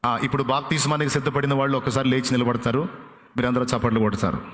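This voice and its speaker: A man preaching a revival sermon to a congregation, lively, with rhetorical questions. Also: medium pitch, very fast, a little hiss or hum. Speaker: pastor. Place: large revival meeting hall. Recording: long hall reverb.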